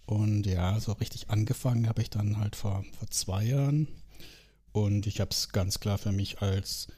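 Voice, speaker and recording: A man's voice: lowish voice, steady tone, unhurried, dark tone, slightly rough. A man in his late forties with a southern German accent, chatting casually as a podcast guest, rambling with fillers and tag questions. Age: 40s. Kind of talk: casual conversation.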